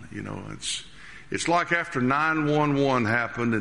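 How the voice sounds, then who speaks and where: Audible room echo surrounds a man who speaks with a bright, sharp tone, ordinary pitch variation and a fairly slow pace. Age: 60s. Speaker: pastor. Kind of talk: sermon.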